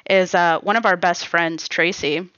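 A woman's voice: on the low side, fairly even intonation, measured pace, fairly bright tone, clear, resonant tone, dry recording, dull audio. A woman in a casual interview, talking reflectively about her family and peppering her speech with "you know" and "like.". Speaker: guest. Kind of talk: casual personal conversation.

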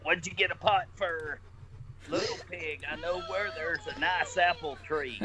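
A man's voice: fairly high pitch, unhurried, sharp tone. Man doing an old wheezy wolf. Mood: grumbling. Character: old wheezing male wolf, pushy and grumbling.

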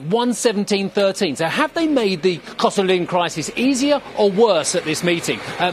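A man reporting live as an energy correspondent, explaining with rhetorical questions in a brisk way. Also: high voice, noisy background.

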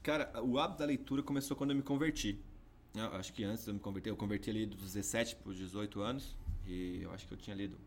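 A man with a Brazilian accent, a podcast guest telling his story in an animated, casual way. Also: lowish voice, fast talker, slight background noise. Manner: animated, peppers speech with "cara" and "entendeu".

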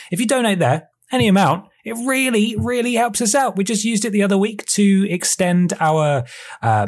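Slightly hoarse, animated male podcast host. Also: fairly high pitch. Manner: animated, joking, sing-song intro reading. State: losing his voice, a bit hoarse. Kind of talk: casual comedy podcast chat. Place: home.

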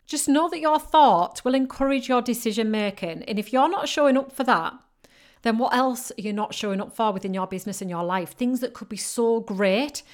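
A woman's voice: a little high, a little fast. Emphatic northern English woman coach. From northern England. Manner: emphatic, repetitive encouraging delivery. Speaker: business coach. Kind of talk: motivational podcast monologue.

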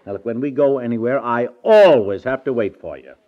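A dull, band-limited 1950s radio recording carries an exasperated American husband acted by a man. His pitch swings freely as he lectures and scolds with emphasis. He is a stubborn businessman with affection underneath, played in domestic radio comedy style. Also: lively intonation, brisk, lightly acted. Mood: lecturing. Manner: scolding, emphatic, stammers when flustered.

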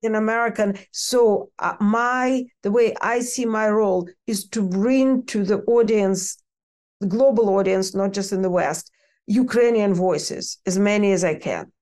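A woman who works as a war correspondent speaks as a podcast guest. Her talk is animated and full of restarts. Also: medium pitch, a little slow. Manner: animated, talkative, many restarts.

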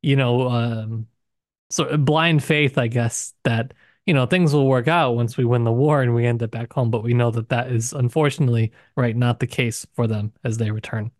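A man's voice: medium pitch, fairly even intonation, normal speed, dry recording, studio quality. A man co-hosting a podcast, talking through books casually and thoughtfully, often qualifying what he says as he goes. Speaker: podcast co-host. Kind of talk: casual book discussion.

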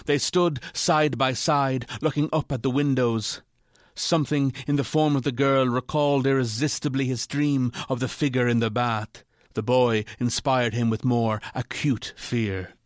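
A man narrating a classic ghost story from a script in a measured, literary storytelling manner. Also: mid-range voice, fairly even intonation, no room sound, studio quality.

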